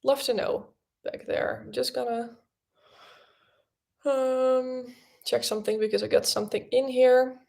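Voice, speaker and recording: A woman's voice: high voice, little pitch movement, a little slow, vocal fry, pauses often, darkish tone. A young woman whose first language is Dutch, chatting casually and rambling with many fillers as host of a livestream podcast.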